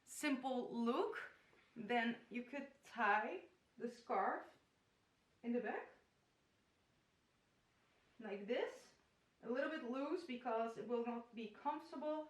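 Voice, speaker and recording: A young woman from the Netherlands chats her way through a casual tutorial, giggling and stumbling over place names. Her voice is clear and bright and sits a little high. The bedroom around her gives it a noticeable echo. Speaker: hijab tutorial vlogger. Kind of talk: casual tutorial talk to camera. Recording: echoey bedroom.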